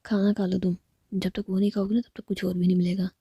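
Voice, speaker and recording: Woman voicing a bashful gentle young woman in a storybook, mellow breathy whisper, close and dry. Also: mid-range voice, little pitch movement, quick pace, no room sound. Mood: shy.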